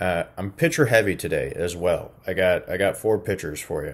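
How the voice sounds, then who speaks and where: A man is speaking. His pace is fairly quick. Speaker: fantasy sports analyst. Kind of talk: solo video commentary.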